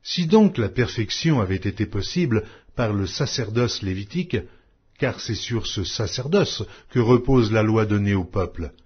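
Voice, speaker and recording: A man reading scripture aloud as an audiobook, in a solemn, measured, declamatory way. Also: lowish voice, lively intonation, breathy edge, lo-fi sound. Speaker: audiobook Bible reader.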